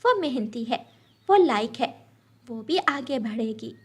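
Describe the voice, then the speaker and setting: A woman's voice: on the high side, expressive, unhurried, slightly rough. A woman voicing Rano, a brave sparrow. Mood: proud. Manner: proud, determined.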